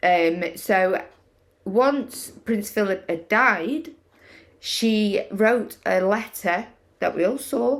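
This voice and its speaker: A woman's medium-pitched voice at a very slow pace, with lively intonation. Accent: English. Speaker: royal gossip vlogger. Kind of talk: opinion vlog. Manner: lots of ums and hesitations.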